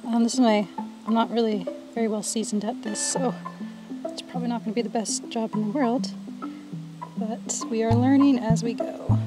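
A woman's voice: a little high, fairly even intonation, normal speed, over loud music, rough recording. Chatty young woman vlogging a camper fix-up. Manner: chatty, self-mocking, laughs often. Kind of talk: casual DIY vlog. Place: outdoors in a yard and inside a camper. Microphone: clip-on mic held to the mouth.

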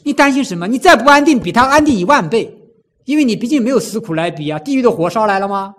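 Guy preaching a buddhist sermon, high voice that jumps all over, lots of questions at the crowd. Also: fast talker. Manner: animated, rhetorical questions, acts out cries.

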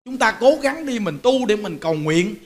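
A Buddhist monk, giving an animated sermon that exhorts his listeners directly. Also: sits high, normal speed.

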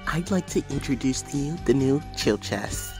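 A man's voice: mid-range voice, expressive, moderate pace, loud music behind the voice. A man performing comic voice-overs, dubbing film, cartoon and advert scenes.

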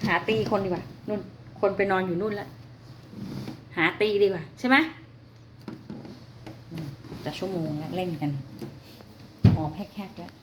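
A woman's voice: on the low side, a little slow, pauses often, noisy background. A woman filming her cats at home, chatting to them fondly and scolding them like children. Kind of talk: casual vlog narration. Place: home indoors.

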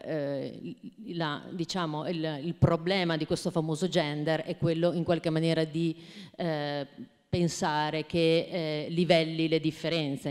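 A woman's voice: sits low, darkish tone. Woman guest speaker at a university talk, hesitant delivery, long reverb. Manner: hesitant, many fillers and restarts. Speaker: guest speaker, children's book trainer. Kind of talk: university talk with a read-aloud.

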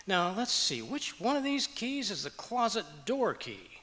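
A man's voice: high voice, huge pitch swings, measured pace, bright, forceful tone, exaggerated voice. A man playing a stubborn, blustery, folksy husband in an old-time radio comedy. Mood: self-important. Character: blustery, stubborn husband who hoards junk. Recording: echoey auditorium stage.

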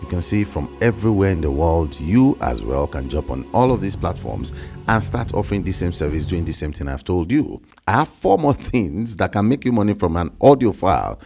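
Animated Nigerian man, lively pitch. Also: fairly quick, vocal fry, soft background music. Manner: animated, emphatic, gestures with hands. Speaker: online income creator. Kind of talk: energetic explainer vlog. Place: small home studio with shelves and plants, indoors. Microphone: large studio mic on a boom, close.

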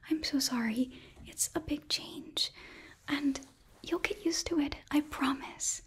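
A young woman playing a cheerful, nurturing demon princess hotelkeeper in a whispered ASMR roleplay, breathy, gentle and halting, close to the mic. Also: sits high. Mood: apologetic, reassuring. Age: young adult. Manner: gentle, bubbly, halting, reassuring. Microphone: close microphone, facing camera.

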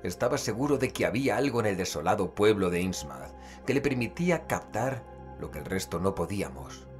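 Horror audio drama narrator: man playing a grave male investigator, very low register, literary and measured, over a music bed. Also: lively intonation, lightly acted. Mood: grave, ominous.

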